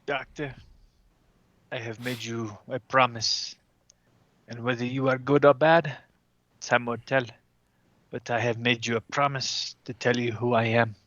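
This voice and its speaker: A man voicing Orpheus, a solemn, honorable agent who speaks in formal, measured sentences. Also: medium pitch, fairly bright tone, dry recording, highs cut off, natural voice.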